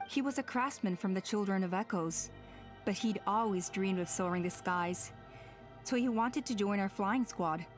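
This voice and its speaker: A woman playing a composed tribal elder in a fantasy game, measured and thoughtful. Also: medium pitch, faint music behind, close to an everyday voice. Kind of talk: video game dialogue acting.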